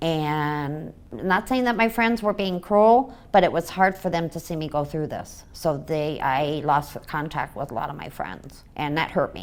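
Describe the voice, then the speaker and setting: Using an ordinary speaking voice with an American accent, a woman talks at a moderate pace with hardly any pauses, her fairly low pitch carrying lively intonation and big swings in loudness. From California. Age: 60s. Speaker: formerly homeless community member. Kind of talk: personal testimony.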